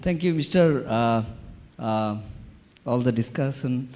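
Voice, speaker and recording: A man's voice: medium pitch, slow, a little mellow. A man from Bangladesh with a Bangladeshi accent, asking a question from the audience at a conference. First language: Bengali. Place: large conference hall. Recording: long hall reverb.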